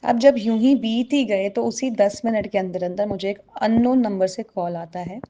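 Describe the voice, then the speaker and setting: A woman's voice: medium pitch, normal speed, mellow, dull audio. A woman tells a personal devotional testimony to a congregation, earnestly and often addressing her listeners directly.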